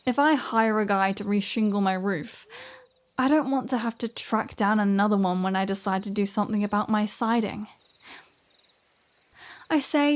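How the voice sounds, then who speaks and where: A woman's voice: medium pitch, close to an everyday voice. A woman playing a flirty, sardonic vampire in a scripted ASMR roleplay audio drama, with breezy, sarcastic banter.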